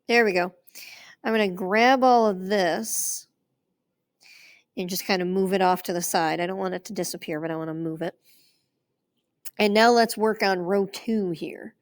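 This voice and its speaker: A woman math teacher working through a proof aloud in a chatty, casual way, talking herself through each step. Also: medium pitch.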